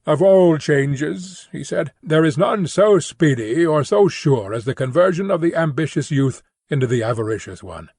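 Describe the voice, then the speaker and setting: A man reading a philosophical dialogue as an audiobook, in a measured, formal and expressive way. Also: on the high side, husky, no echo, clean studio sound. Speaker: audiobook reader. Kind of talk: scripted narration of a philosophical dialogue.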